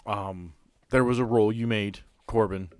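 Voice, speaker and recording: A man acting as game master on a podcast, explaining and narrating off the cuff with halting sentences. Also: lowish voice, steady tone, dry recording. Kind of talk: improvised narration and table chat for a tabletop game podcast.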